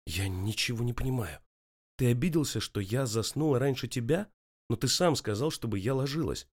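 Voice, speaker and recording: A man's voice: medium pitch, a little fast, pitched above the performer's own voice, close to an everyday voice. A man voicing a young woman, anxious and near tears, pleading in a rising voice. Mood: confused.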